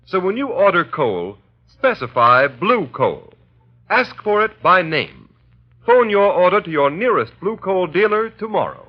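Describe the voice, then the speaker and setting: A male announcer reading commercials and bulletins in crisp, emphatic 1930s radio style. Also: high voice, sing-song, a little slow. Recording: dull old radio recording.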